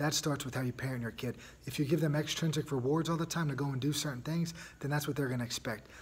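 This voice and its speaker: The speech moves at a very fast pace with fairly even intonation. The voice sounds somewhat breathy. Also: man. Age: 30s. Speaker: podcast host. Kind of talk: solo monologue podcast. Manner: casual, unscripted. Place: home room. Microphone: phone near.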